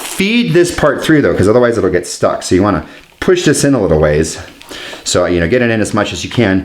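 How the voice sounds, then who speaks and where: Very wide pitch swings mark a man's speech against noticeable background noise. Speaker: tech reviewer. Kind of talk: tutorial talk to camera. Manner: casual.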